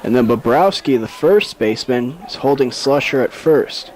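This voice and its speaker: A man's voice: mid-range voice, animated, moderate pace, darkish tone. A man calling live baseball play-by-play as a sports commentator. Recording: outdoor ballpark background noise.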